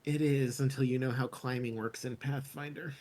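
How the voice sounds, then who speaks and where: A man's voice: fairly even intonation, normal speed, darkish tone. A man playing a tabletop game, chatting casually with a wry, grumbling manner. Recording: noticeable low rumbling background noise.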